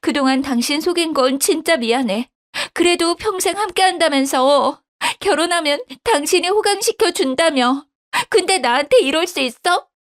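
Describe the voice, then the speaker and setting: A woman voicing a scheming young daughter-in-law who begs and stammers in a shrill, whiny voice. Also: lively intonation, moderate pace, few pauses. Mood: pleading.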